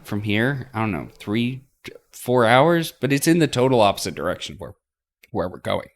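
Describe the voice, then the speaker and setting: A man voicing a wry, teasing but soft-hearted young woman in visual novel dialogue, talking casually. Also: on the low side, expressive, normal speed, voice pushed up. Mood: hesitant.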